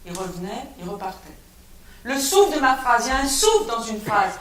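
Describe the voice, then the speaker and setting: A woman author reading her own text aloud on stage, moving between hushed narration and raised, urgent dialogue. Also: a little high, expressive, fairly quick. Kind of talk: live literary reading. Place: stage of a literary venue. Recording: roomy, distant live stage recording.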